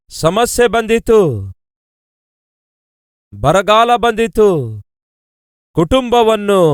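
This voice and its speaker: A man's voice: fairly high pitch, clean tone, no echo, clean studio sound. A male pastor delivering a devotional sermon, building emphasis through repeated parallel phrases and direct appeals to the listeners.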